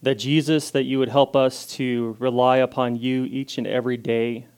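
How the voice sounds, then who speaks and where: A man preaching a sermon in a casual way, reading scripture with rising emphasis and then praying softly. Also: mid-range voice, flat delivery, normal speed, clean tone. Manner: loud, casual and self-deprecating, reads scripture with rising emphasis, prays softly. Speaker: guest preacher.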